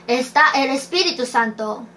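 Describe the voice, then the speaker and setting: A woman's voice: high voice, lively intonation, moderate pace, bright, forceful tone, slight background noise. A woman preaching a sermon, reading scripture verses aloud and asking rhetorical questions. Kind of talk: slow sermon.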